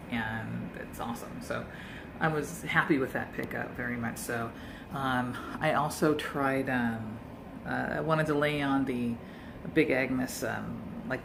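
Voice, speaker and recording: A woman vlogger chats casually to her camera, first on an outdoor mountain trail and later at home, laughing a lot and poking fun at herself. Her voice is gravelly and rumbling low, with a noisy background.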